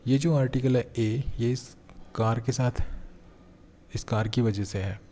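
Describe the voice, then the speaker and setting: Mellow-voiced man teaching a grammar lesson. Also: medium pitch, a little hiss or hum. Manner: explains step by step, slows down to read example sentences aloud. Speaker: English teacher. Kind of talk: exam-prep grammar lesson.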